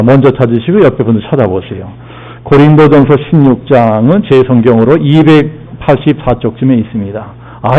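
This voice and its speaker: A man's voice: on the high side, lo-fi sound. A male pastor preaching a sermon, repeating key phrases, asking and answering his own questions, and leading the congregation through the reading. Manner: leads congregation in call-and-response and Bible lookup. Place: church sanctuary.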